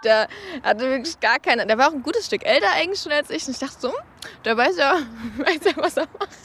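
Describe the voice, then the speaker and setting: A woman's voice: high-pitched, expressive, a little fast, fairly bright tone. A woman casually telling a personal story, recorded as an amateur voice message. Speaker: listener sending in a story.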